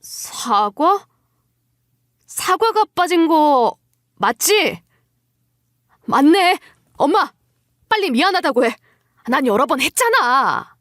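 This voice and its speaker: A woman's voice: high voice, sing-song, takes it slowly, long pauses, a bit bright, no echo, clean studio sound, voice pushed up, full character voice. A woman voicing a guilty, weak husband in a story, pleading and whiny. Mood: urging. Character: guilty husband, weak, begging his wife.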